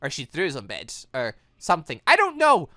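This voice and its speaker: Animated, bright-voiced woman commentating on a game. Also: sits low, a little fast, no echo, clean studio sound. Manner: animated, exclaiming reactions. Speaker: let's play host. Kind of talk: excitable video game commentary, reading dialogue aloud.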